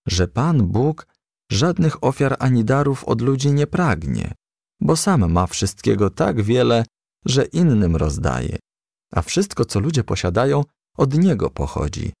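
A man reading a children's story aloud in a gentle storytelling manner. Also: medium pitch, gravelly, no room sound, studio quality. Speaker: audiobook reader.

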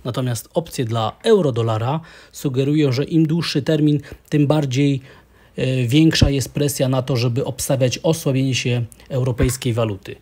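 A man giving measured market commentary over charts as an analyst, with frequent hesitations. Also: medium pitch, fairly even intonation, a little mellow, slightly rough.

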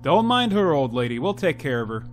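A woman playing a gruff, no-nonsense country sheriff in a radio horror drama, brusque and hard-boiled. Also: deep voice, big pitch swings, a little fast, faint music behind. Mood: impatient.

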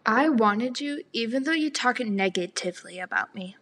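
Teen girl for spoken word, husky with a gravelly edge, slow and deliberate delivery. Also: a little high, lively intonation, fairly bright tone. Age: teens. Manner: slow and deliberate, partly whispered.

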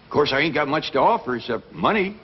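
An actor playing a kindly, humble backwoods family head who talks in a slow, polite, folksy drawl. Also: male voice, fairly high pitch, very animated. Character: kindly, plainspoken backwoods patriarch, newly rich. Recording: dull 1960s TV audio, faint hiss.

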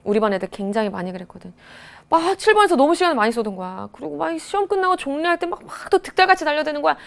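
A woman teacher in her thirties giving an exam explanation lecture, chatty and animated, often mimicking her students. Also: sits high, rapid-fire, creaky. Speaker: high school teacher. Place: studio.

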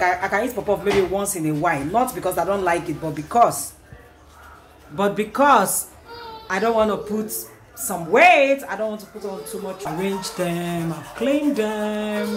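Chatty Nigerian mom vlogging at home. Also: female voice, on the low side. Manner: chatty, repeats herself, playful bursts of self-praise. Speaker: vlogger and mother. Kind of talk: casual home vlog narration. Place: small home kitchen indoors. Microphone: camera on tripod. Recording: noisy home camera recording.

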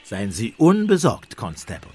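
An actor playing a calm, shrewd Catholic priest who reasons politely and in measured words in an audio drama. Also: male voice, mid-range voice, slightly rough. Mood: mild, courteous. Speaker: actor in a radio play. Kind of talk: German audio drama acting.

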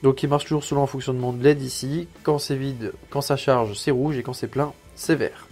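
With faint music behind him, a channel host unboxes sponsored gear at normal speed in a steady, darkish, medium-pitched voice. He's chatty and jokey, walking through each step with frequent fillers.

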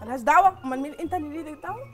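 A woman's voice: high-pitched, rapid-fire, loud music behind the voice. A woman with an Egyptian accent in a heated argument, insulting and threatening a guest. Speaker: jealous wife in a prank.

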